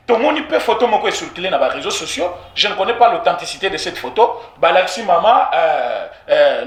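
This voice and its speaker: A Congolese man with a Congolese French accent, giving an animated political opinion that mixes French with Lingala and repeats points for emphasis. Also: high voice, reverberant. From Congo (DRC). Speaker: political commentator. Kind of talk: heated political street interview.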